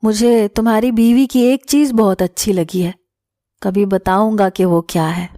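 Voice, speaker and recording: A woman's voice: mid-range voice, steady tone, warm tone, no room sound, studio quality, close to an everyday voice. A woman voicing a smug foreign flirt. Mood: sly. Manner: halting broken speech.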